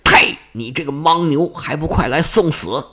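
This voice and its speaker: A male storyteller voicing a bold, confident young hero who talks brisk and polite, turning cocky. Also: a little high, bright, forceful tone.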